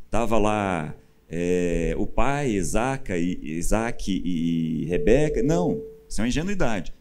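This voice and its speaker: A Brazilian man with a lowish voice, a pastor explaining scripture in easy conversation. He tells the story with animated bursts, acting out the quotes. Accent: Brazilian Portuguese. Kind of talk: conversational Bible teaching.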